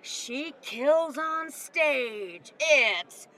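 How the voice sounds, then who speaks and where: A woman's voice: sits high, lively intonation, noisy background, exaggerated voice. A woman playing a brash comedy club emcee announcing a headliner. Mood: hyped. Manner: hyped, drawn-out announcing.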